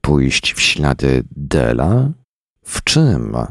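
A man's voice: a bass voice, sing-song, very slow, vocal fry, no room sound, studio quality, full character voice. A man voicing a frightened, bewildered man who asks tense questions.

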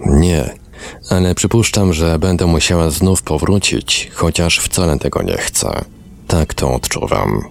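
A man reading the lines of a tired young woman under hypnosis, in slow, subdued, matter-of-fact answers. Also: extremely low pitch, lively intonation, gravelly, exaggerated voice. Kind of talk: reading a hypnosis session transcript aloud.

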